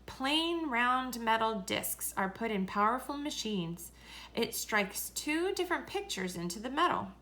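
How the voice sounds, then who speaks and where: Slow-paced woman reading a children's story. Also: on the high side, sing-song, pushed and bright. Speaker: story reader. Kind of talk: read-aloud children's story narration.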